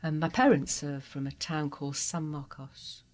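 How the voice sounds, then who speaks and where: A trans woman from Guatemala, a native Spanish speaker, telling her life story in an interview with an earnest, heartfelt, measured manner. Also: low-pitched, fairly even intonation, darkish tone. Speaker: interview guest. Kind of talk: personal testimony interview.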